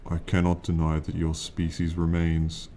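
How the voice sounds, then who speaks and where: A very deep, dark male voice delivers a monotone performance as an ancient dragon in fantasy ASMR roleplay, with slight background noise audible. Proud and warning in mood, he uses slow, formal, archaic phrasing that is stately and condescending, though he remains fond of the mortal he addresses.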